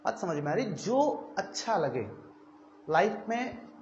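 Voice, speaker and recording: A man's voice: high-pitched, very animated, slow, darkish tone. A young male coaching teacher giving students an earnest, conversational talk, checking in often to see that they follow. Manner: earnest, conversational, frequent "theek hai" check-ins. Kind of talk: motivational classroom talk to students. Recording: echoey, dull lo-fi room recording with faint noise.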